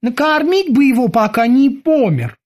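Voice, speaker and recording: A reader doing a high, cautious boatswain. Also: big pitch swings, moderate pace, darkish tone. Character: cautious young male boatswain.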